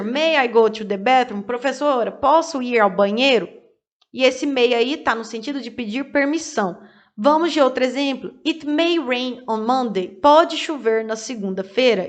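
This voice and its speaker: Woman teaching English, slow example sentences. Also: fairly high pitch, a bit bright. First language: Portuguese. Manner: reads example sentences slowly, then translates. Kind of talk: explaining grammar to learners.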